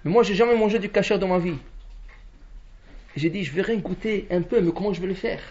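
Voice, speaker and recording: A man giving a Torah lesson as a lively storyteller, acting out the characters' lines. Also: high voice, a little fast, slight background noise. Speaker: rabbi. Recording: dull lo-fi recording.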